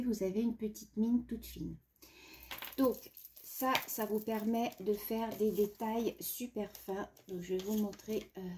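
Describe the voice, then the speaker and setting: A woman's voice: medium pitch, warm tone, slight background noise. A woman vlogger chatting casually about art supplies, sniffling from a runny nose and hesitating often. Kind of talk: casual chat.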